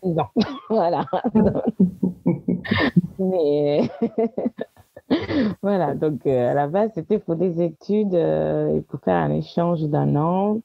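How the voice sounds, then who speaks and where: A woman's voice: fairly low pitch, animated, very slow, gravelly, pauses often, no room sound, highs cut off. A woman in her thirties, a guest in an interview, talking casually with frequent small laughs and hesitations. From Italy. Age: 30s. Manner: warm, laughs often, many hesitations.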